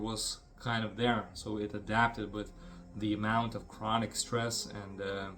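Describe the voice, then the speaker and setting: In a Lithuanian accent, a man speaks with a fairly low pitch and monotone, flat intonation. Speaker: health coach. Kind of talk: informal talk to camera. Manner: halting, many fillers.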